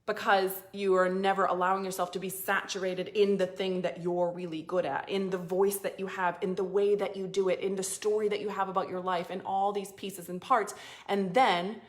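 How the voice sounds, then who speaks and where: A woman's voice: mid-range voice, flat delivery, moderate pace. A woman business coach giving a motivational talk, repeating phrases for emphasis and sometimes dropping to a near-whisper.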